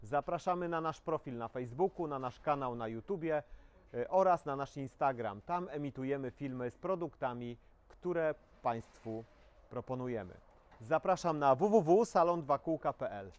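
A man in his forties presenting a dirt bike to camera outdoors, listing specs in a steady sales pitch with frequent filler sounds. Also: normal speed. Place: outdoors in front of a shop wall.

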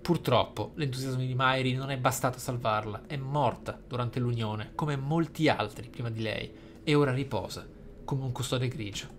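A man's voice: medium pitch, moderate pace, a little hiss or hum. A man, a gaming host reading in-game text aloud expressively, with casual, playful asides.

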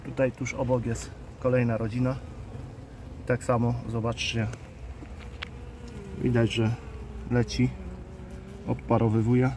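Filming on a handheld phone camera at his beehives, this beekeeper and channel host explains things casually and without hurry, thinking aloud with fillers. His voice is medium-pitched and level, with background noise from faint outdoor ambience and buzzing bees.

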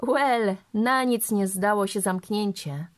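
A woman voicing a jovial English gentleman and father, teasing and hearty. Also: medium pitch, slow, close to an everyday voice.

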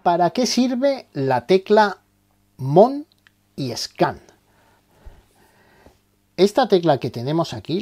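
A man whose medium-pitched voice is a little mellow with a breathy edge delivers a tutorial step by step. In a didactic manner he clarifies terms and poses questions for himself to answer.

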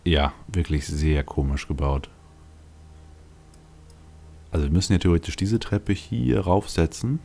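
A man's voice: low voice, fairly even intonation, a little slow, vocal fry, long pauses, mellow. A man giving casual gameplay commentary, musing aloud to himself as he plays. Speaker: let's play host.

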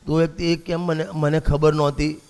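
Male preacher, sermon delivery, rhetorical and repetitive, slightly high voice, long hall reverb. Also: little pitch movement, normal speed, a little mellow, clean tone. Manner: repeats a refrain, poses rhetorical questions to listeners.

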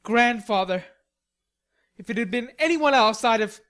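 Storybook lad in a huff: female reader playing a stubborn, petulant teenage boy, pitched up, full of bluster. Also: expressive, normal speed, lightly acted. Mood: indignant. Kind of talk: storybook character dialogue.

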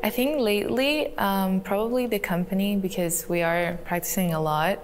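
A teenage woman from Canada answering interview questions in a soft, giggly way with many ums, filmed in a photo studio. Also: mid-range voice, moderate pace. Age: teens. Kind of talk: recorded profile interview. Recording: clip played with faint music.

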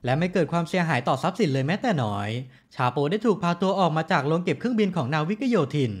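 A man's voice: fairly high pitch, very animated, fast talker, slightly rough. A man narrating a TV series recap in a chatty, casual storytelling way, with polite sentence endings.

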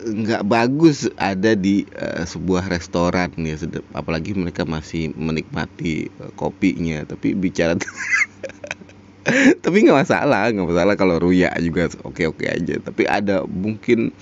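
A man's voice: low-pitched, sing-song, a little slow, muffled recording, slight background noise. A man hosting a casual reaction commentary, rambling with many fillers and frequent chuckles. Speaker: reaction video host.

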